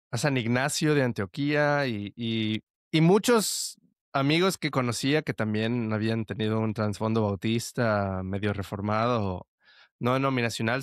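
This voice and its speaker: A young man from El Salvador appears as a podcast guest and tells his own story as conversational testimony. He sounds earnest, restarting often and using fillers like "este," and his medium-pitched, smooth voice is recorded in clean studio sound with no echo.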